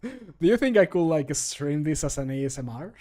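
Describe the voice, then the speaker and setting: A man's voice: a little high, lively intonation, normal speed, dark tone. A man in his thirties streaming from a home room, chatting casually and jokily into a close microphone. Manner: jokey, self-deprecating, playful sound words when working. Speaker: streamer and hobby voice actor. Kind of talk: casual livestream chat. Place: small home room, indoors. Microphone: close desk microphone.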